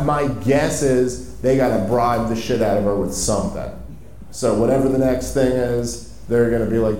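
A man's voice: medium pitch, warm tone. A man hosting a live political comedy show, talking casually and emphatically with frequent profanity over a venue PA. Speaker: podcast host. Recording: echoey live venue PA, faint noise.

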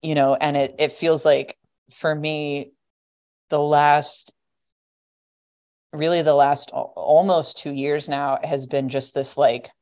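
Guest, young adult, low voice, loose rambling delivery full of filler words. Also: female voice, fairly even intonation, takes it slowly, pauses often, darkish tone. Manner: rambling, heavy use of "like" and "you know". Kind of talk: casual podcast conversation.

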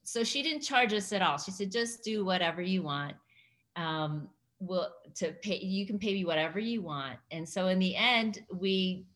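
A woman's voice: mid-range voice, normal speed, fairly bright tone. A woman in her sixties, a guest in a casual interview, telling stories and laughing often. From United States. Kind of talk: casual conversational storytelling.

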